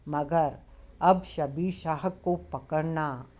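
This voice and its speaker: A woman's voice: low-pitched, extremely slow, darkish tone, full character voice. A woman voicing a menacing young male fugitive in a storybook reading, harsh and commanding. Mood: sneering.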